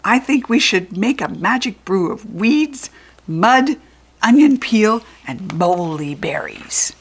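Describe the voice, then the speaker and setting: A woman voicing a silly male goblin who argues loudly. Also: medium pitch, very animated, slow pace, slightly rough, full character voice. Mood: argumentative.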